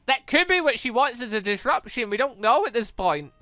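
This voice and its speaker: A let's play host with a bright, animated delivery rambles casually through a visual novel. The voice is dry and close, repeats words while reacting, and has faint game music behind it. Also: mid-range voice, fairly quick, no echo. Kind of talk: visual novel playthrough, reading dialogue aloud with casual commentary. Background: background music from the game.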